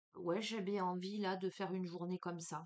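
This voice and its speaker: The speaker has a Marseille accent. The delivery moves at a fairly slow pace. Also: woman. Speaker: tarot and oracle card reader. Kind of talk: spiritual guidance reading, casual. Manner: hesitant, many fillers.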